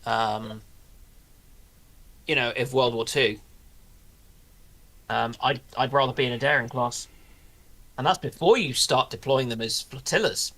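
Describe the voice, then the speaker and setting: A man's voice: medium pitch, a little slow, pauses often, sharp tone. A man speaking as a panellist in casual chat, hesitant as he searches for his words.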